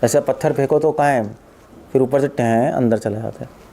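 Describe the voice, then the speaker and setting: Mellow-voiced man giving a spiritual talk. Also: medium pitch, brisk, creaky. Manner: animated storytelling, acts out quoted thoughts and repeats phrases. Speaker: monk and former doctor giving a talk. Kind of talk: spiritual discourse.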